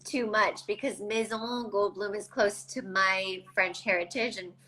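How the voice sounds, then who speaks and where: A woman from Canada in her forties, a guest reflecting thoughtfully in a casual interview, with halting restarts. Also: medium pitch, steady tone, sharp tone, low-quality recording.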